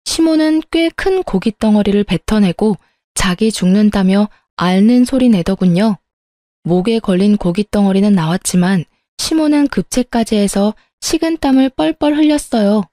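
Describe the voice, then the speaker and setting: A woman narrating a first-person family story in a steady recounting way. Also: medium pitch, no room sound, studio quality.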